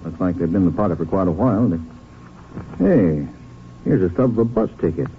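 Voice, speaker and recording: Lively, folksy Texas sheriff. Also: male voice, low voice, a little fast. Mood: puzzled, musing. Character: folksy small-town Texas sheriff, plain-spoken and suspicious. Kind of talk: 1950s radio western acting. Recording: tinny, noisy old radio broadcast.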